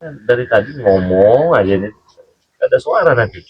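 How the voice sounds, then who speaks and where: A man's voice: mid-range voice, expressive, normal speed, lo-fi sound. A man hosting a live stream, telling a rambling story with frequent chuckles and questioning a child. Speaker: channel host.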